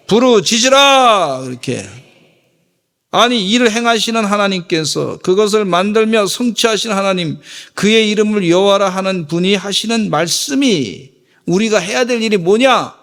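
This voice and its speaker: A middle-aged man pastor preaching a sermon with emphatic swings between loud exhortation and quiet asides. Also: a little high, gravelly, in a large hall. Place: church sanctuary.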